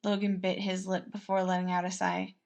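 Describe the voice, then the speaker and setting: Woman reading fiction out loud, storyteller style, medium pitched voice. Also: completely flat delivery, brisk. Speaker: narrator. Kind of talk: storytelling narration of fan fiction.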